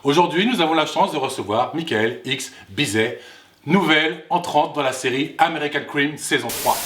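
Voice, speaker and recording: A man's voice: a little high, moderate pace, a bit bright, echoey room. A man hosting an interview, asking questions with upbeat, enthusiastic interjections. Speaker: host.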